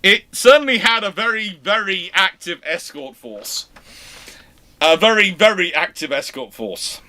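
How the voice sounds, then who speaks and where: A man hosting a live naval history question show, talking in an animated way with quick asides and dry jokes. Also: high voice. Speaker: naval history channel host. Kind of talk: live Q&A chat.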